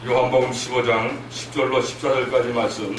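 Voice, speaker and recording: A man's voice: medium pitch, level tone, fairly quick. A man preaching a sermon at a church prayer meeting, earnest and emphatic, with rhetorical questions to the congregation. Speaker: missionary preacher. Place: church hall. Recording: echoey hall from far off, faint noise.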